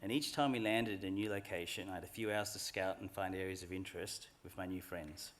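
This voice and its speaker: A middle-aged man giving a formal graduation address from a lectern microphone in a large hall, in a measured and earnest way. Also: low-pitched, steady tone. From Australia. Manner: measured, earnest, reflective speech delivery. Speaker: graduation speaker.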